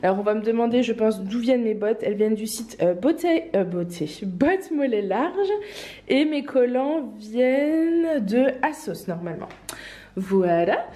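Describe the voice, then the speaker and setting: A woman's voice: on the high side, warm tone, echoey room. Chatty woman with a slight cold. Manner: chatty, many fillers and restarts, light laughs. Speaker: online clothing shop owner. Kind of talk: casual fashion try-on vlog.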